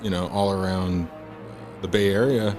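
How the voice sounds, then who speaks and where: A man's voice: deep voice, fairly even intonation, normal speed. Man, thirties, podcast guest, laid-back, slangy, faint music. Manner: laid-back, slangy, says dude a lot. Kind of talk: casual storytelling chat.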